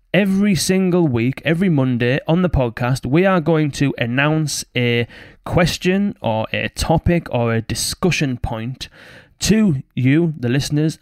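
A man hosts a podcast and welcomes his guest. He talks quickly and with upbeat emphasis, his voice recorded dry and close, with no room sound. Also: mid-range voice, no room sound. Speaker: podcast host. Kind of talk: podcast hosting and interviewing.

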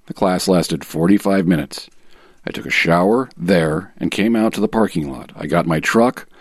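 A man voicing an aggrieved husband in a dramatic reading of a sworn legal statement, measured, formal and self-righteous. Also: low-pitched, dry recording, clean studio sound.

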